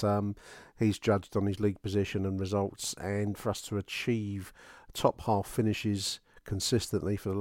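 A man's voice: lowish voice, darkish tone, no echo, studio quality. A man hosting a fan podcast, chatting to his listeners in a wry, rambling way and often repeating phrases. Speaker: podcast host.

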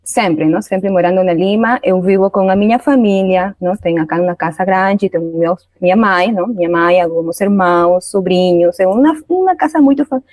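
A woman's voice: on the low side, fairly quick, few pauses, a little mellow, no room sound. A woman from Peru, a native Spanish speaker with a Peruvian Spanish accent, talking hesitantly and correcting herself as a guest on a video call. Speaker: listener and guest. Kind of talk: live video-call chat.

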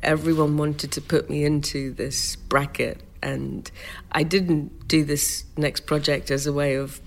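A woman's voice: deep voice, flat delivery, unhurried, creaky. A woman singer being interviewed, talking casually and rambling with lots of "like" and "um".

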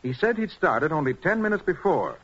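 Methodical master detective, American man, assured, expressive pitch swings, 1940s radio serial, muffled old recording. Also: moderate pace, husky, heavily acted. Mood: assured, explanatory. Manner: explanatory, assured, precise. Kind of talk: 1940s radio drama acting.

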